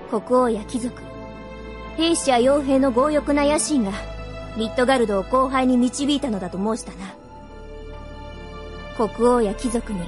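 An actress playing a proud, indignant young princess in a radio drama, with imperious, archaic, formal speech. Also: female voice, high voice, lightly acted. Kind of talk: Japanese radio drama acting. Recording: music behind the voice.

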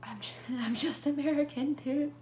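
A woman's voice: high-pitched, fairly even intonation, normal speed, a little mellow, roomy sound, slight background noise. A young woman from California chatting casually and sleepily with viewers on a phone livestream. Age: young adult. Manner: casual, drowsy, answers viewers in short bits. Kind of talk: live stream chat reading comments. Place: small room indoors. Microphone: phone held close to face.

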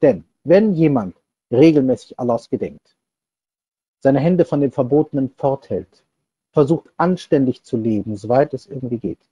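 A middle-aged man preaching an explanatory sermon in a measured, deliberate manner. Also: medium pitch, dark tone, slightly rough, no echo. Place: small indoor room, seated before a screen divider. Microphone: wired earphone headset on a video call setup.

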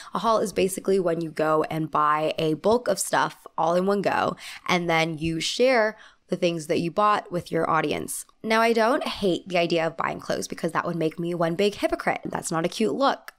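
A young woman in her twenties speaks in a lowish, congested voice, a little nasal from a cold. She delivers a scripted video essay with a wry, opinionated edge and emphatic asides. She is close on a handheld mic in a small room. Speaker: fashion commentary host. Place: small indoor room with lamp and plant. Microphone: handheld mic held close.

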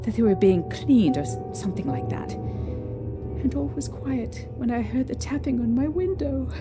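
A woman playing a frightened young mother in an audio drama, recounting a haunting with halting, emotional delivery. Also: a little high, lively intonation. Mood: distressed. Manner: halting, emotional storytelling with trembling pauses. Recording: eerie music behind.

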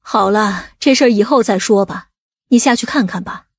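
A woman's voice: medium pitch, moderate pace, slightly rough, no room sound, clean studio sound. An actress playing a composed, businesslike woman in an audiobook. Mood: brisk, polite.

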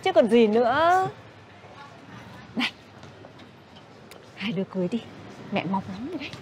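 Woman playing middle-aged mother, eager, Northern Vietnamese accent, TV drama, average pitch, noisy surroundings. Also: animated, fairly quick, natural voice. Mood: nagging, hopeful. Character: eager middle-aged mother nudging her grown son. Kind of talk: screen drama dialogue. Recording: clear ambient noise behind.

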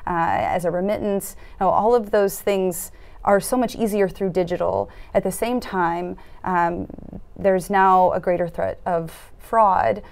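A woman in her thirties giving earnest interview answers in a studio, often pausing with fillers and restarting her sentences. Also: on the low side, vocal fry, a little mellow. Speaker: foundation program officer, interviewee. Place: dark studio set at a conference.

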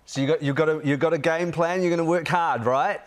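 A man's voice: fairly high pitch, fairly even intonation, a little fast. A man in his thirties presenting breakfast television from a studio, upbeat and chatty, on a lapel mic. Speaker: TV news presenter. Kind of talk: breakfast TV interview.

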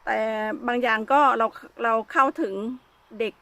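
A woman's voice: a little high, fairly even intonation, moderate pace, fairly bright tone. A middle-aged woman from Thailand vlogging to her viewers in a casual, thinking-aloud way, with many fillers, seemingly outdoors among fruit trees.

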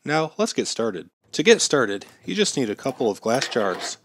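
A man in his thirties hosting a how-to channel, narrating step-by-step instructions in a steady, plain way while slightly sick. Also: mid-range voice, normal speed, background noise. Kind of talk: scripted how-to voice-over.

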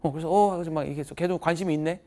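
A woman's voice: low voice, steady tone, very fast, dark tone. A woman math teacher giving students a chatty, motivational talk, acting out voices as she tells stories.

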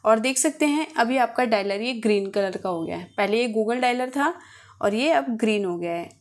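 A woman's voice: fairly high pitch, lively intonation, moderate pace. A woman hosting a tutorial, talking viewers through steps in a casual, instructional way. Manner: addresses viewers directly, instructional. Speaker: host of phone tutorial videos. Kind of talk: casual step-by-step tutorial narration.

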